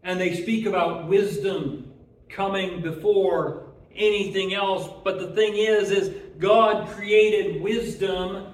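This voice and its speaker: Male preacher, earnest sermon delivery; recorded from a distance in a roomy, echoing space. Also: high-pitched. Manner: earnest, repeats words when restarting, draws out key phrases.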